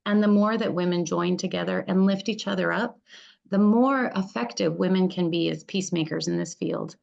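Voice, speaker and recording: Gravelly-voiced woman giving acceptance speech. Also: on the low side, darkish tone, highs cut off. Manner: earnest, listing points deliberately. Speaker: award recipient, employment lawyer.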